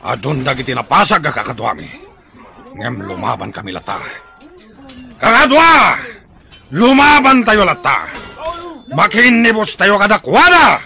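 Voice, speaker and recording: Male tribal chief, defiant, piercingly bright gravelly voice, Ilocano accent, widely swinging delivery, radio drama. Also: fairly high pitch, sing-song, a little slow, pauses often, soft background music, exaggerated voice. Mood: rallying battle cries. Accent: Filipino (Ilocano).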